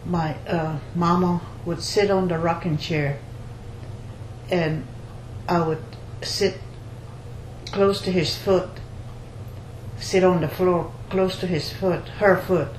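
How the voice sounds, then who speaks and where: Halting older woman in an echoey room. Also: lowish voice, steady tone. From rural Louisiana, United States. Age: 70s or older. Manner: halting, repeats phrases. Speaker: basket maker interviewee. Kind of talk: oral history interview, personal recollection. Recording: roomy echo, faint background noise.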